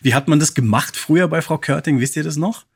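A man hosting a podcast, moderating a casual discussion with a slightly husky voice. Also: a little high, fast. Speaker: podcast host.

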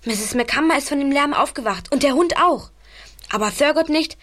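A teenage girl in a radio play, excitable and stubbornly sure of herself. Her voice is very high. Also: normal speed. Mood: agitated, accusing. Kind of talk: German radio play acting.

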